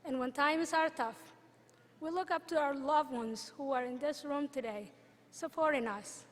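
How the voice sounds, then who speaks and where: A young adult woman from Somalia gives a graduation speech as the student commencement speaker at a podium microphone. Her high voice moves at an earnest, measured pace with deliberate pauses, and the long reverb of a large hall surrounds it.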